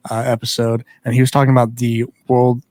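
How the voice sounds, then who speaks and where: A man's voice: mid-range voice, completely flat delivery, a little fast, a little mellow, dry recording. Enthusiastic man, close dry podcast sound. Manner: rambling, enthusiastic. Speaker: podcast co-host. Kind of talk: casual book club chat.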